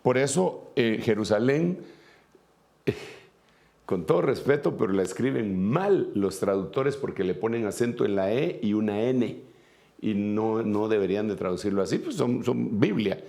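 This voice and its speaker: A man's voice: lowish voice, animated, moderate pace, vocal fry, mellow. A man preaching a sermon, reading scripture aloud and then explaining it at a whiteboard with many fillers and asides.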